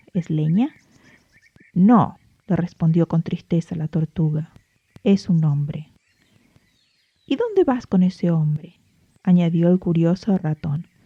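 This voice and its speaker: A very slow, somewhat breathy female voice with an Argentine accent, a fairly low pitch, a dark, mellow tone and long, frequent pauses. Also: ordinary pitch variation, dry, close sound with no echo. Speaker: storyteller. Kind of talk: reading aloud.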